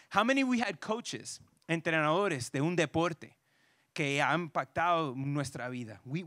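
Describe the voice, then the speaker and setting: A high, bright male voice leading a parenting workshop for a church audience. He talks casually, restating every point twice and tossing questions to the room. The sound is dry and close, with no room echo. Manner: restates each point twice, switching back and forth; casual fillers like "right?" and "you know".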